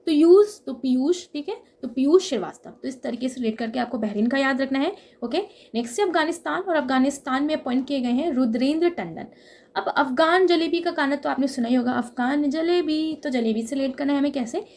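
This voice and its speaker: A young woman with a high voice leads an exam-prep lesson based on memory tricks, walking through each one step by step. She checks in with the listener often and stretches out key words so they stick. Her pace is fairly quick and her tone a little mellow.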